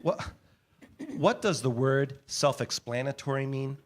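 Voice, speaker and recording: A man's voice: medium pitch, a little slow, natural voice. A man playing a goofy, dim, eager sidekick in a staged comedy reading, earnest and given to stammering and bellowing. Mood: sheepish, earnest. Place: live staged reading in a church.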